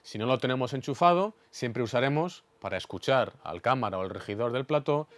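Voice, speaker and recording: A man with a Spain Spanish accent giving an instructional equipment demonstration in a clear, methodical, didactic way. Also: medium pitch, expressive, fairly quick. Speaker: instructor explaining studio equipment.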